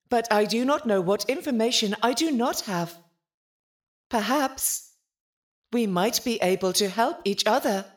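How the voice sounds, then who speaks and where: A woman playing a polite, lonely, literal-minded nonhuman intelligence in an audio drama, speaking formally and precisely. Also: fairly high pitch. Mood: friendly, curious. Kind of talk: audio fiction podcast acting.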